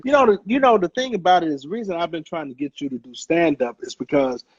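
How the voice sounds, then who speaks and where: A man with a notably high voice and a Southern Black American accent hosts a loose, comedic chat. He reacts with animated, profane country slang. The recording is a bit dull and lo-fi. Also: fast, slightly rough. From rural Mississippi, United States. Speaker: podcast host. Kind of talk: casual comedic interview chat. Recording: dull lo-fi podcast audio.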